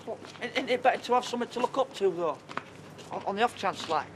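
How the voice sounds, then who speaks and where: A hopeful son, earnest and pleading with his father. His voice is fairly high, and a clear hum runs behind it. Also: lively intonation, quick pace. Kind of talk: TV soap drama acting.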